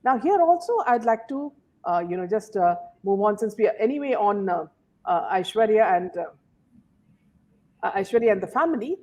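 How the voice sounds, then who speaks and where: A woman's voice: medium pitch, lively intonation, moderate pace, darkish tone. Female host, casual commentary, heavy filler words. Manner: many fillers and "you know"s.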